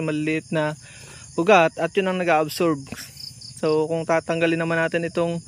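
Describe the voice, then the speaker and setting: A man's voice: on the high side, fairly bright tone. A man chatting instructively to viewers in a casual farm vlog, recorded outdoors on a handheld phone. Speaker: farmer and vlogger. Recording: outdoor recording with clear insect and ambient noise. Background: insects and outdoor ambience.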